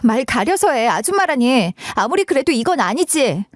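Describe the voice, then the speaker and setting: A woman's voice: high-pitched, very animated, normal speed, no room sound, studio quality. A woman playing an older, motherly shop owner who speaks earnestly and scolds. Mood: scolding.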